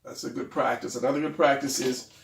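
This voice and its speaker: A man's voice: mid-range voice, fairly even intonation, fast talker, gravelly, roomy sound, far from the mic, background noise. A man teaching drawing in a casual, hesitant and rambling way, his voice a little stuffy and worn. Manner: hesitant, rambling, self-deprecating. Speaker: drawing instructor.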